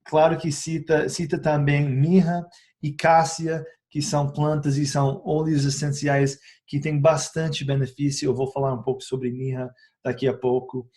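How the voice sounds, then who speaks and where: A man speaking a learned second language in a casual teaching video about essential oils, pausing often on filler sounds, correcting himself and checking in with the viewer. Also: fairly high pitch, level tone, darkish tone. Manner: hesitant, frequent filler sounds and tag questions.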